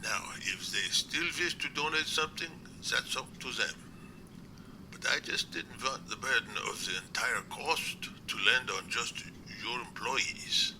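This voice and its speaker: A man playing an earnest, courteous doctor in an amateur audio drama, speaking in a formal, measured way. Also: mid-range voice, lightly acted. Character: earnest, courteous male doctor, secret Sasquatch researcher. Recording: clear background noise.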